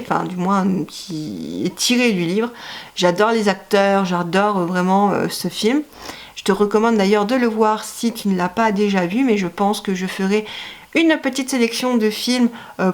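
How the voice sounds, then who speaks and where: A young woman talking casually about her autumn reading list for her channel, pausing often with fillers and sounding eager about the books. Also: medium pitch. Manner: hesitant, many "euh" fillers, enthusiastic. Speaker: book vlogger. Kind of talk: casual book haul vlog.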